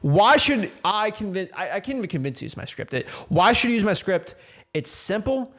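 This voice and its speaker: A young man coaching real estate wholesalers in an energetic, casual motivational talk, repeating himself and using plenty of slang. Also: high voice, brisk.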